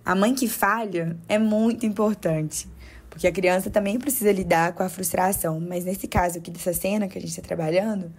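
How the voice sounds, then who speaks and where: A woman explains ideas in a measured, patient way. Her voice is husky and breathy at a middling pitch. She often checks in with small tag questions. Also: steady tone. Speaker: podcast co-host. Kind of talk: explanatory commentary.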